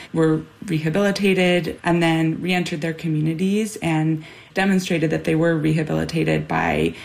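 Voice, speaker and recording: A female attorney gives an interview comment in a composed, articulate way. Her voice is low for a woman and carries a strong gravelly fry. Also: a little mellow.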